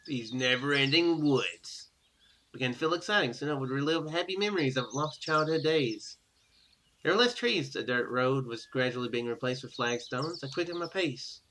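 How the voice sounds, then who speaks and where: A man's voice: medium pitch, expressive, moderate pace, sharp tone, a little hiss or hum. A man hosting a gaming video, reading a visual novel's text aloud and dropping in casual, offhand comments. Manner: ad-libs offhand remarks, casual and informal.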